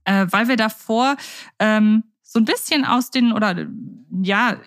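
A woman co-hosting a podcast, speaking in a measured, thoughtful way with some hesitant fillers. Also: on the high side, no echo, studio quality. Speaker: podcast co-host. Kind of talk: casual chat about radio plays.

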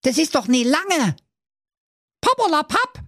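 A woman's voice: sits high, big pitch swings, measured pace, dry recording, clean studio sound, pitched above the performer's own voice, heavily acted. A man voicing Snow White as a snippy young woman with a Saxon accent, in a comedy fairy-tale podcast. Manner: sharp dismissive retorts.

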